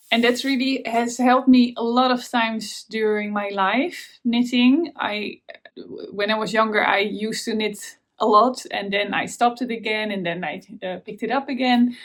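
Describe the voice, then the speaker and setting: A Dutch woman with a Dutch accent hosting a knitting vlog, talking in a casual, hesitant way with many fillers and restarts. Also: on the high side. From Netherlands. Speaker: knitting podcast host. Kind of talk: casual chat to camera.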